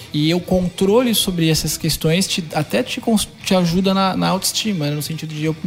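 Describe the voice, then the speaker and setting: Over music in the background, a man talks at a moderate pace with a high pitch and ordinary pitch variation. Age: 40s. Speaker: journalist. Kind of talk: casual chat. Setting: studio.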